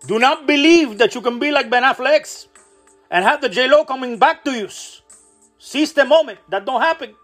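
A man puts on a theatrical Latino motivator with a high voice and a Spanish accent in English. He delivers a comic pre-game pep speech, solemn, pompous and rousing, over music. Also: lively intonation, moderate pace, a bit bright. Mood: rousing, defiant. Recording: music behind the voice.

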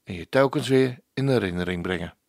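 A middle-aged man presenting Christian songs on the radio, unhurried and devout, with frequent hesitations. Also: on the low side, vocal fry, dry recording, studio quality.

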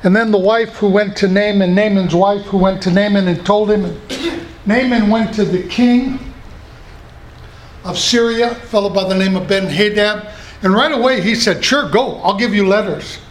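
An older pastor with a twang preaches in a homey, storytelling way, turning to his congregation with asides. His voice sits high for a man. A faint hiss of noise lies under the recording. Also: normal speed, poor audio. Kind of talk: sermon.

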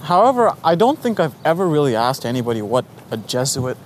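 A man's voice: mid-range voice, a little fast, slight background noise. Young man from Nepal, chatting easily. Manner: relaxed, hesitant, many fillers. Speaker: guest. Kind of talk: casual conversation.

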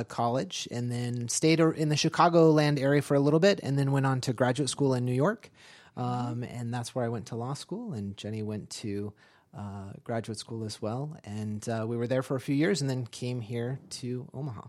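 A man in his thirties from Colorado, a lawyer talking as a podcast guest. He speaks thoughtfully and haltingly, filling pauses with ums, at a middling pitch. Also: darkish tone. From Colorado, USA. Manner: thoughtful, halting, many fillers. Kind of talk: casual interview.

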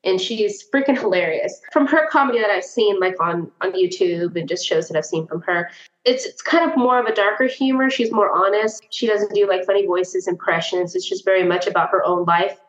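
Co-hosting a book podcast, a woman talks casually and chattily with a mid-range, fairly quick voice, laughing a lot and swearing now and then. The sound is dull, lo-fi and echoey.

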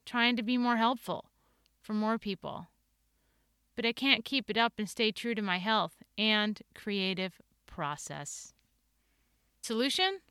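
A Midwestern American woman in her forties hosts a solo podcast, earnest and playful. Her mid-range voice is sharp, bright, smooth and clean, recorded dry and close with no room sound.

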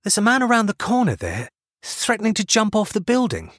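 A man's voice: high voice, wildly swooping pitch, fairly quick, fairly bright tone, dry recording, clean studio sound, voice pushed up, full character voice. A man voicing a flustered, polite young woman who hesitates and slips over her words.

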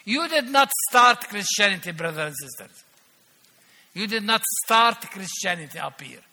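An older Palestinian man preaching a guest sermon in a large church, emphatic and slow with ironic humor. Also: high voice, animated, bright, forceful tone. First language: Arabic. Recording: echoey church hall.

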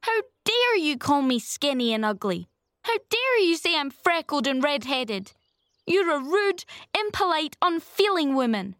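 Storybook role: woman as indignant orphan girl, hot-tempered, choked, very high and emphatic. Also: sing-song, a little slow, fairly bright tone, dry recording, studio quality, exaggerated voice. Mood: furious, hurt. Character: angry, wounded, fiery young orphan girl.

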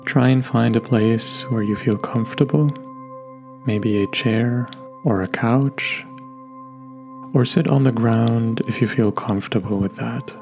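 A man guiding a meditation in a gentle, unhurried way, leaving long pauses between instructions. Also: mid-range voice, vocal fry. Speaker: meditation guide. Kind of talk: guided meditation narration. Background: soft background music.

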